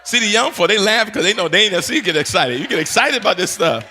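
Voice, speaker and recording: Animated pastor with a high, bright voice. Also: male voice, fast. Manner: animated, teasing the audience with call-outs. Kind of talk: playful teaching session talk.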